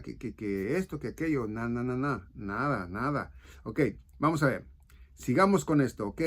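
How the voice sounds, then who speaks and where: A man's voice: on the high side, a bit bright. A man teaching the Bible in a video, often checking in with his listeners and restarting his phrases. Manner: checks in with frequent "ok?" and "right?"; halting, restarts mid-phrase.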